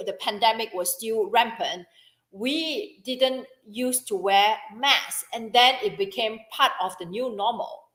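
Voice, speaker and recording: A woman's voice: on the high side, a bit bright. A middle-aged woman telling a personal story in a chatty way, repeating herself and acting out what others said, as a business coach drawing a lesson from it. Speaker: business coach and podcast host. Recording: echoey room.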